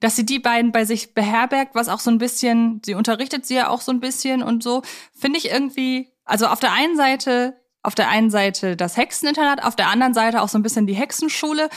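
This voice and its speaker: A woman co-hosting a podcast, talking casually as she discusses films. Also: on the high side. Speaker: podcast co-host.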